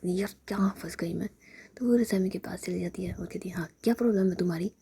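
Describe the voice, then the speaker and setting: A sharp-tongued young woman employee, angry and quick to threaten, as a woman whispers her lines. She speaks in a husky, dark, gravelly whisper in whispered role-play. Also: fairly low pitch, heavily acted. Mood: annoyed. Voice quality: breathy whisper.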